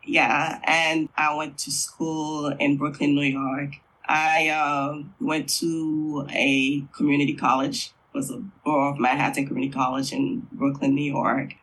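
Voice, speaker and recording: This is a middle-aged man from Haiti, a language teacher, speaking in a slightly raised, husky voice. He answers interview questions at length and in an unhurried way, pausing on fillers as he lays out his path from place to place. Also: fairly high pitch, flat delivery, a bit bright, poor audio.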